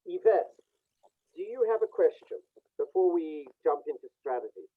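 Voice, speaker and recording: A man on a video call reading a participant's face for a group session, speaking reflectively with pauses. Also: on the high side, animated, breathy edge. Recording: tinny phone-like call audio.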